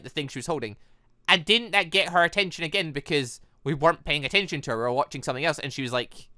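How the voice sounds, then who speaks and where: A gaming video host giving rambling, excited, giggly reaction commentary over a visual novel, close on the microphone. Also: mid-range voice, no echo.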